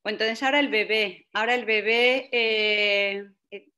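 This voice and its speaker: A woman's voice: mid-range voice, fairly even intonation, normal speed, bright, forceful tone. A woman in her sixties with an accent from Spain, moderating casually in a teasing, scattered way. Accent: Spanish from Spain. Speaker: host, Buddhist nun. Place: indoor shrine room. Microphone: computer mic on video call.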